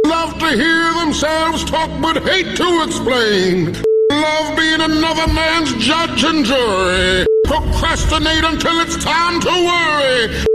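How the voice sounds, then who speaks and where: An actor playing an angry, disappointed cartoon elder orator, speaking in rhythmic preacherly cadences. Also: male voice, very high-pitched, rough recording. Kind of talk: fiery oratorical speech. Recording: played clip under loud music.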